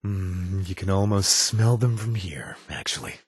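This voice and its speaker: A man's voice: low-pitched, expressive, unhurried, breathy edge, no echo, exaggerated voice. An actor playing a young male ex-gang member, a chatty ally in a video game who cracks jokes and puns. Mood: joking. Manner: jokey, punning, chatty with fillers.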